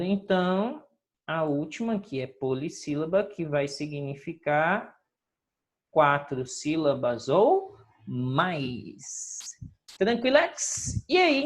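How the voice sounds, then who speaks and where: A woman teacher going over homework in a recorded lesson, patient and drawn-out, often checking in with her students. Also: lowish voice. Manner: patient, drawn-out, sing-song teacher talk with frequent checks like "ok?".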